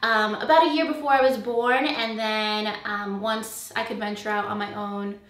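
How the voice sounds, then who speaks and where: A woman's voice: mid-range voice, fairly even intonation, moderate pace, fairly bright tone, far from the mic. Chatty young woman in an echoey room. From USA. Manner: chatty, many fillers like "um" and "like". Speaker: beauty vlogger. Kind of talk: casual chat to camera. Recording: echoey room, voice slightly off-mic.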